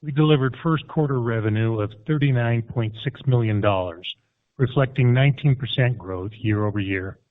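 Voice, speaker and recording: A man sounds set back from the microphone on a thin, phone-like line. His voice is mid-pitched, and he presents scripted financial remarks as a company executive on an earnings call. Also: normal speed. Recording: distant, tinny phone-line conference audio.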